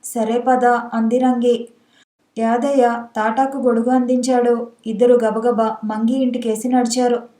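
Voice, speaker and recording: A woman reads a story aloud in a calm, measured way. Her voice is fairly high but mellow, and it stays level with little rise and fall. The reading carries an echo from the room. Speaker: audiobook narrator. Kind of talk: scripted story narration. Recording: echoey room.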